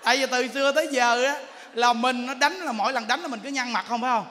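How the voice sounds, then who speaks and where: This monk's voice is extremely high and he talks fast as he gives a humorous dharma talk, acting out little scenes as he narrates. He plays out quarrels, laughs often, and is captured with long hall reverb and faint noise.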